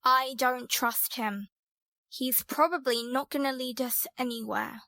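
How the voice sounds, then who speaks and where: Woman playing a high-pitched, wary young woman. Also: fairly even intonation, measured pace, sharp tone, no echo, studio quality, heavily acted. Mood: distrustful. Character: wary, disapproving young female companion. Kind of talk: audio drama character acting.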